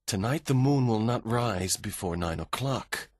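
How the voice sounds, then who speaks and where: A man voicing a calm, calculating genius prisoner in an audiobook, terse and precise. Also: on the low side, a little slow, no room sound, studio quality. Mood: cool, calculating.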